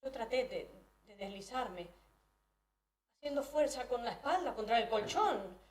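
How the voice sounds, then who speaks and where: A woman's voice: fairly high pitch, animated, unhurried, darkish tone, recorded from a distance. A woman performing a first-person dramatic monologue, hesitant, with frequent restarts. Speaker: storyteller. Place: live event hall. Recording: roomy hall, voice from afar.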